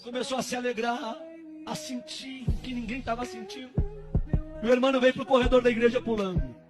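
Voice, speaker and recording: A male pastor, preaching a testimony sermon with fervor that rises to shouts. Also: very high voice, fairly even intonation, a little fast. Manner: fervent preaching, rising to shouts. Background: music.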